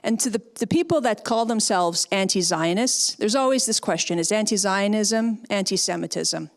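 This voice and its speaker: A woman's voice: medium pitch, normal speed. A middle-aged woman from Canada, a former speechwriter, giving an emphatic, persuasive talk and answering audience questions. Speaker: guest speaker, former speechwriter.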